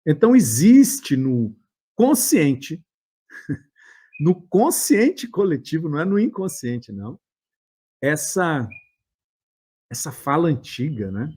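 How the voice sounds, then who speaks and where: A man's voice: fairly high pitch, sing-song, slow pace, long pauses, dark tone, breathy edge. A Brazilian man with a Brazilian Portuguese accent, a therapist giving an earnest motivational talk full of anecdotes and repeated "né?" tags.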